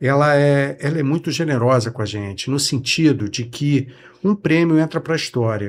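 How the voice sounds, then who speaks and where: At a moderate pace, a man speaks with a Rio de Janeiro accent. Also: fairly high pitch for a man, ordinary pitch variation. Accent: carioca. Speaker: journalist and writer. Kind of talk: interview podcast.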